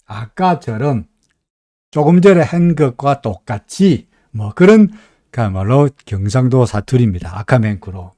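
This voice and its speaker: A middle-aged man from Korea's Gyeongsang region hosts a live stock market commentary, speaking with a Gyeongsang accent in a folksy, chatty style and often asking listeners "right?". His voice sits at medium pitch and is a little mellow, with no room sound.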